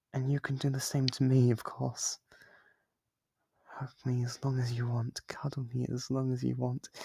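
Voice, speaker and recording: A breathy, gravelly demon, acted by a man in an ASMR roleplay, recorded close and dry. He is lonely and clingy, speaking with tender, obsessive devotion and hesitant, coaxing intimacy. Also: medium pitch, warm tone, dry recording. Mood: tender, needy.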